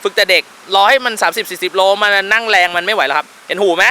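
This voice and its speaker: A man's voice: sits high, fast talker, sharp tone, slight background noise. A man working as a dog trainer, coaching an owner outdoors with firm, short commands and explanations. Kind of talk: on-location dog training instruction.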